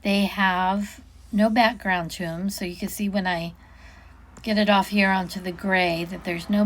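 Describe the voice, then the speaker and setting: A woman giving a casual, unscripted product walk-through, chatting and musing aloud as she goes, often interrupting herself. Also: medium pitch.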